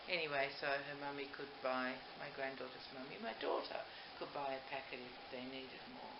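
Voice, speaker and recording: Older woman, creaky low-key vlog voice. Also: steady tone, fairly quick. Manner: gushing, rambling. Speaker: doll maker and video host. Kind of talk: casual chat, showing a doll to camera. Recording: roomy, muffled, noisy home recording.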